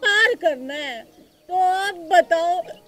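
Over faint background music, a woman speaks at an extremely high pitch with ordinary pitch variation, the sound dry with no echo. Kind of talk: scripted comedy skit dialogue. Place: waterside.

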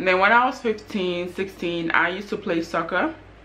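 A woman with a Nigerian accent speaks at a moderate pace and medium pitch, with ordinary pitch variation. Light background noise can be heard. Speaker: vlogger. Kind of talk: casual talk to camera. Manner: chatty, informal. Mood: relaxed, playful. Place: home room. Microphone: camera far.

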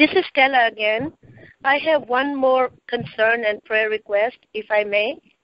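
Set against a quiet background, a woman with an unremarkable speaking voice talks at a fairly high pitch with ordinary pitch variation, in a dry sound with no echo. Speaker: caller. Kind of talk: prayer request. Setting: phone call. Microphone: phone line.

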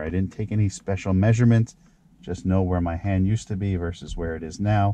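Very fast speech from a man with a very deep, low pitch, ordinary pitch variation and a dry sound with no echo. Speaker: car owner reviewing part. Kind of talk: product review talk. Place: car. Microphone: phone near.

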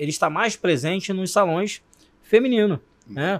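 The intonation is lively and the pace moderate. The sound is dry with no echo, over a quiet background. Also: man. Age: 40s. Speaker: barber and image consultant; guest. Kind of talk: studio interview. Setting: studio. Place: studio. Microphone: studio mic.

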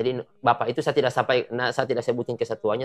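A man talking at a very fast pace. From Central Sulawesi, Indonesia (Poso); Central Sulawesi. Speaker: guest. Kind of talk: testimony. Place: office.

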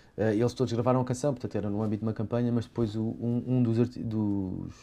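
This man speaks fairly quickly at a medium pitch, his dark, mellow tone delivered in a monotone, flat intonation. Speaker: musician, band guitarist and solo artist; interviewee. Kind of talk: interview. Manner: halting, many repeated words. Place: studio. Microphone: lapel.

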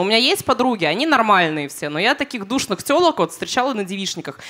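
At a very fast pace, a woman talks with very wide pitch swings. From Saint Petersburg, Russia. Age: 30s. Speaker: stand-up comedian. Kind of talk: stand-up comedy set, with crowd banter. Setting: stage with live audience, on a boat. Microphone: handheld.

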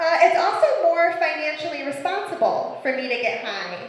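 A woman speaks at a moderate pace. Strong room echo and light background noise fill the recording. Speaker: stand-up comedian. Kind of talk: stand-up. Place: stage.

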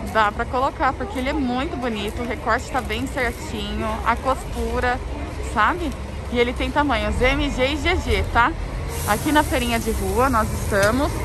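Crowd noise sits in the background as a woman talks at a moderate pace in a dry sound with no echo. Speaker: shopping vlogger. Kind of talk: casual vlog chat. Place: market. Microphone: phone near.

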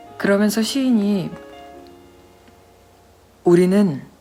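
Speech comes at a very slow pace with ordinary pitch variation. Music plays in the background. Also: woman. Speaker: voice actor; narrator. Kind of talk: poetry reading.

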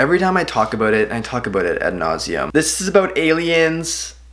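Very fast and animated, a man rattles through his words. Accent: Canadian. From Canada. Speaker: booktuber; book vlogger. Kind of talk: casual vlog monologue. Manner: animated, frequent laughter. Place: home room.

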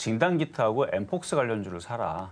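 This man talks at a moderate pace and medium pitch. His intonation is lively. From South Korea. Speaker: stock market expert. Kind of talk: stock analysis on TV. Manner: casual, rambling. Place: studio.

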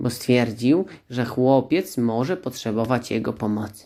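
The voice has a gentle, warm tone. The recording is very clean, with a silent background. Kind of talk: bedtime story telling, scripted-sounding children's audiobook narration. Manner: gentle, slow and expressive, with exclamations and sound effects like 'bęc!'.

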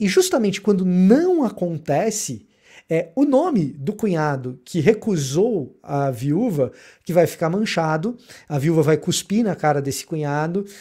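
Against a quiet background, a man speaks at a fairly slow pace with a dark, mellow tone. His pitch is high and his intonation lively. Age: 40s. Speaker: theologian and YouTuber; YouTuber. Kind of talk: reaction video commentary. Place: home room. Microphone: studio mic.

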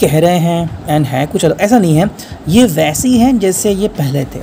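A fairly slow pace over light background noise. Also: woman. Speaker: tarot reader. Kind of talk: tarot reading commentary. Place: home room. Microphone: phone near.

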